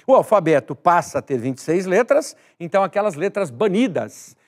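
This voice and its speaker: A man's voice: high voice, sing-song, normal speed, darkish tone. A man teaching a recorded exam-prep grammar lesson, emphatic, repeating key words and speaking straight to the viewer.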